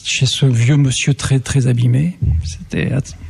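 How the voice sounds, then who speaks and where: An older male journalist tells old stories on a radio talk show. His voice is gravelly and a little husky, and he talks in a relaxed, reminiscing way with frequent restarts. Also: mid-range voice, unhurried. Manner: reminiscing, with restarts and small laughs. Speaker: journalist guest. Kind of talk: casual radio chat, telling anecdotes.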